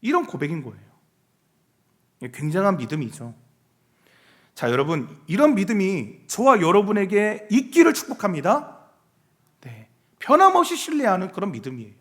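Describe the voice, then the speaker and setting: Lively high-voiced male preacher. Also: moderate pace, long pauses. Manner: emphatic, questions the congregation. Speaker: junior pastor. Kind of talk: sermon.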